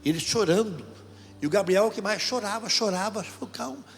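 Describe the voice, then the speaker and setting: Brazilian deacon preaching in a big hall. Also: male voice, sits high, fairly quick. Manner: storytelling, asks the crowd questions. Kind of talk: sermon. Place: large event hall. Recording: long hall reverb, faint music.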